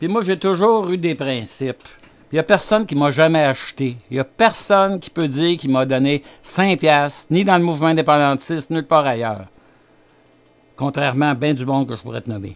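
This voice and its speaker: A man with a Quebec accent speaks at a fairly high pitch. His intonation is lively. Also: moderate pace. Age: 70s. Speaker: political commentator, former journalist. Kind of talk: radio interview. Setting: radio studio.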